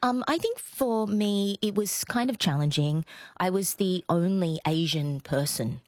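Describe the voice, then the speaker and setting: A woman, a playwright and actor, talking in a radio interview in a soft, thoughtful way with frequent pauses and ums. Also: on the low side, lively intonation, no room sound, clean studio sound. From Australia. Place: radio studio.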